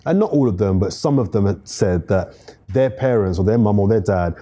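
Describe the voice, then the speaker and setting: Husky, mellow male host, measured. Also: lowish voice, expressive. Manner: measured, probing, thoughtful. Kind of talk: interview questions. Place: bright studio room, city view.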